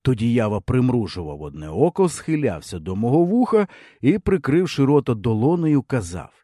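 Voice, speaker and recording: A man reading a first-person novel aloud with expressive storytelling. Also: medium pitch, normal speed, no room sound, studio quality. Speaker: audiobook reader. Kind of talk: audiobook narration.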